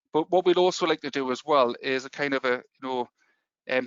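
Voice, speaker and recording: Speaking with a Geordie accent, a man uses a medium pitch and fairly even intonation. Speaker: software company representative. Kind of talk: webinar presentation. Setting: online webinar. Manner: fast.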